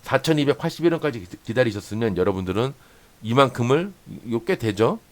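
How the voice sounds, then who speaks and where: This mid-range male voice is very animated and runs a little fast. He's the host of a stock trading channel giving day traders a chart-analysis lesson, explaining as he points along the chart with "here" and "this much," restating points for emphasis and tossing in frequent "right?"s.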